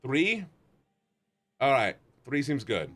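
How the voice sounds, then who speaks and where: A man reading a visual novel aloud and joking between lines, with an animated manner that jumps high in pitch. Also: slow pace, faint music behind. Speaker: game voice-over streamer.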